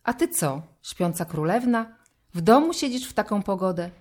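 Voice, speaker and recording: A woman voicing a lively, loud young boy who bosses his best friend around in a storybook reading. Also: medium pitch, normal speed, voice pushed up. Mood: excited.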